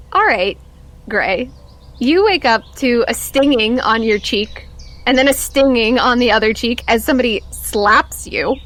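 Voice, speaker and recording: A woman improvising narration as the game master of a tabletop role-playing game, in halting, pieced-together phrases. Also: fairly high pitch, fairly bright tone.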